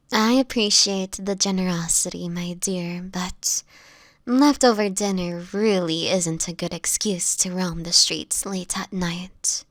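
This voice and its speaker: A woman playing a gentle, world-weary, sickly homeless vampire in an audio roleplay, speaking softly and breathily in slightly old-fashioned phrases, close to the listener. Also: fairly low pitch, no echo. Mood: fondly chiding. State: sickly, frail, with coughs.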